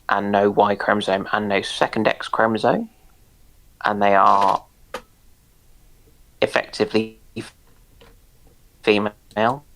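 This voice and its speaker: A man with a creaky, gravelly voice and a slow delivery. He explains in a casual way, pausing often and carefully hunting for the right word. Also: lowish voice, a bit bright, slight background noise. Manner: halting, searching for words, careful.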